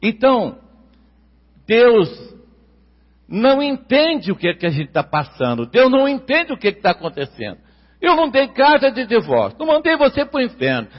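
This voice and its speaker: A man with a Brazilian Portuguese accent preaching a sermon, emphatic, repeating key words and drawing them out slowly. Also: extremely high pitch, big pitch swings. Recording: long hall reverb, dull lo-fi sound.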